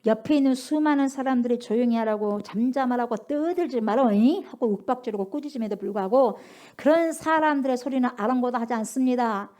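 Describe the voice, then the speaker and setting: Woman pastor preaching, pretty high voice, gets loud then goes whispery, church service. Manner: emphatic preaching, swings from loud calls to whispers. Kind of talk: sermon at a Friday prayer meeting. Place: church sanctuary.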